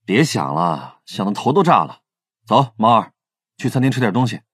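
A man's voice: on the low side, very animated, normal speed, a bit bright, slightly rough, no echo, studio quality, exaggerated voice. An actor playing a cocky, teasing young male police detective in an audio drama. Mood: casual.

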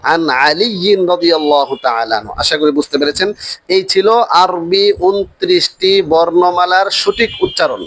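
A man with a high voice teaches the Arabic letters with slow patience. He repeats each point and draws every letter name out long and loud. The sound is dry and close, with no room behind it. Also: no room sound. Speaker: Quran teacher.

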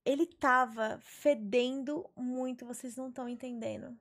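A young woman's voice sits high with a steady tone and moderate pace as she plays a life-sim game on stream. Chatting casually with viewers, she tells stories and drops the odd swear word; the audio comes from a headset mic in a small indoor bedroom setup.

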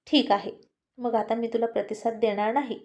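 A calm young college man, as a woman storyteller puts him on, speaking gently and reassuringly. The voice stays high and mellow. It sounds like a spoken storybook. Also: moderate pace, close to an everyday voice. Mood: teasing, reassuring. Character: calm, confident young male college student.

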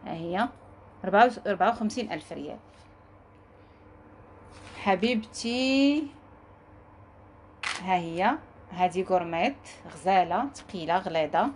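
A woman with a Moroccan accent giving a live sales pitch from her jewelry shop, coaxing viewers and repeating herself as she talks to her staff. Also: fast talker, a little hiss or hum. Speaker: jewelry seller.

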